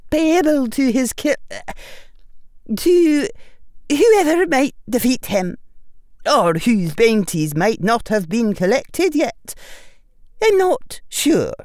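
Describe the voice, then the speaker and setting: A woman's voice: on the high side, very animated, slow pace, pauses often, a little mellow, no echo, studio quality, voice pushed up. A woman voicing a stern older witch professor with a clipped, scolding manner.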